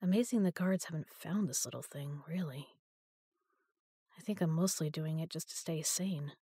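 A woman voicing a frightened prisoner in a sci-fi audio drama, weary and hushed, breaking into frantic pleading when she is left behind. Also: low voice, moderate pace, breathy edge, dry recording, clean studio sound. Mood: hushed despair.

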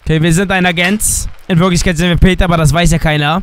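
Young guy with a cold doing let's play commentary, high clear voice, goofy, yells then drags words out slow. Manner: excitable, jokey, switches between shouts and drawn-out slow words. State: has a cold, dry voice. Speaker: gaming YouTuber.

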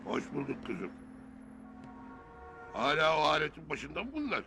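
A man's voice: a little high, sing-song, normal speed, vocal fry. A middle-aged man playing a stern, old-fashioned father who scolds the boys in a sitcom. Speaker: Davut Usta, stern father and uncle. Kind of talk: TV sitcom acting. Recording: TV episode with music underneath.

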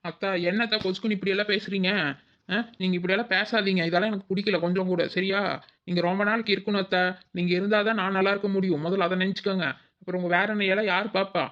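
A woman's voice: mid-range voice, fairly even intonation, quick pace, muffled recording, lightly acted. A woman voicing a lazy, cheeky young village daughter-in-law in a cartoon, dodging cooking with sly excuses. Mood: pleading. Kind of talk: village cartoon comedy acting.

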